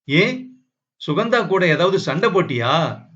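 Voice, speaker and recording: Man doing a tender young woman, slow and pleading, raised voice, dull lo-fi audio. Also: sits high, sing-song, a bit bright, pitched above the performer's own voice, full character voice. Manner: pleading, tender, calls him "boss". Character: affectionate young woman, devoted and childlike.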